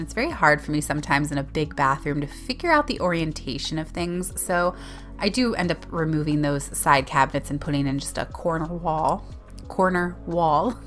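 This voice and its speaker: A woman's voice: fairly low pitch, a bit bright. Chatty, rambling woman doing a game voiceover. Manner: rambling, chatty, with frequent self-corrections and small laughs. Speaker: Sims YouTuber narrating a speed build. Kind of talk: casual voiceover commentary.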